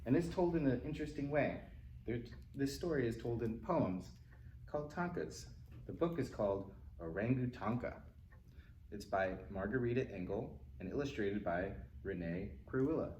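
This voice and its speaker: A man's voice: mid-range voice, animated, normal speed, a little mellow. A man reading picture books aloud to young children, with playful, chatty asides to his listeners. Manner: acts out animal sounds and exclamations. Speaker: library storytime reader. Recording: roomy echo with faint background noise.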